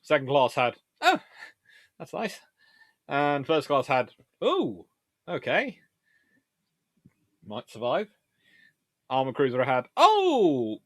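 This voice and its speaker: A man's voice: medium pitch, a bit bright, no room sound. Chatty man with a dry, close sound. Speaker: livestream host answering viewer questions. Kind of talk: casual rambling live Q&A on naval history.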